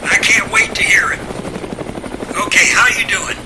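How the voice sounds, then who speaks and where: Over a heavy roar of rotors and engine, an actor plays a male rescue pilot in an audio drama. His high-set voice is steady and reassuring, giving clear, task-focused instructions. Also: normal speed, close to an everyday voice. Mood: calm, wry. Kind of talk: amateur audio drama acting. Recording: loud helicopter and engine noise.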